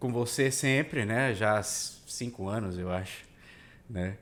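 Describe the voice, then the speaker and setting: A man is speaking. His pace is fairly slow. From Bahia, Brazil (Vitória da Conquista, near Minas Gerais border). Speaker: TV celebrity columnist. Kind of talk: casual chat.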